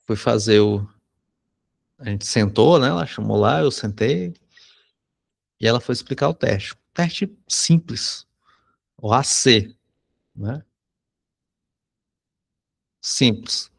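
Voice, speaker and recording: A Brazilian man, a psychology teacher, telling a personal anecdote in a conversational lesson, often tagging sentences with a quick question. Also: on the low side, vocal fry. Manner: conversational, frequent tag questions. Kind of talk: anecdote told in a recorded lesson.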